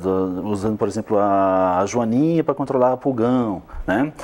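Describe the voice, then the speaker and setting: A man speaks at a moderate pace. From Santa Catarina, Brazil. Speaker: agronomy professor. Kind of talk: interview. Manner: halting, many fillers.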